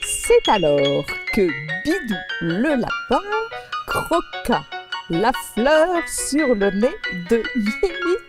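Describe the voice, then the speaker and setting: A woman storyteller gently addressing children in a slow sing-song manner on a children's TV show. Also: on the high side, very animated, loud music behind the voice.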